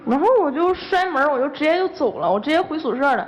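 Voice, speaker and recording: A woman's voice: high voice, sing-song, fast talker. A young woman, a guest airing heated, accusing complaints about her boyfriend. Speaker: guest on dating show.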